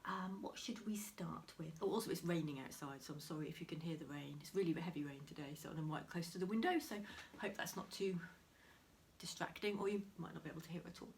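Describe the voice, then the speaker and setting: Soft-spoken woman with a cold. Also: lowish voice, fast. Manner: soft, chatty, often half-whispered with small laughs. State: slightly nasal with a cold. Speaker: crafting vlogger. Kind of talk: casual chat to camera. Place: home room beside a window, heavy rain outside. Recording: faint rain noise.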